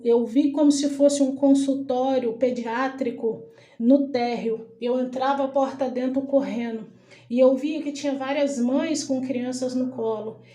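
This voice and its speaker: A woman's voice: on the high side, mellow. A middle-aged woman recounting a prophetic dream in an emphatic, repetitive, dramatic way. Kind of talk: earnest spoken testimony. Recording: echoey room.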